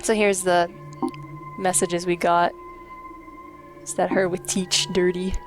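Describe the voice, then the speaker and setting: A woman's voice: lowish voice, little pitch movement, slow pace. Casual woman commentating over game music. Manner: chatty, opinionated, casual swearing. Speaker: host playing and presenting a video game. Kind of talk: casual let's play commentary. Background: video game music.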